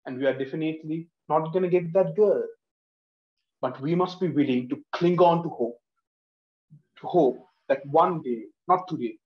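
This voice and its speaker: A man's voice: fairly high pitch, darkish tone. Young man, from Sri Lanka, earnest prepared speech, echoey home room, muffled lo-fi audio. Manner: earnest and emphatic, gesturing with both hands. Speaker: speech contestant. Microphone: laptop camera across the room, headphones on. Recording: echoey room, dull lo-fi sound.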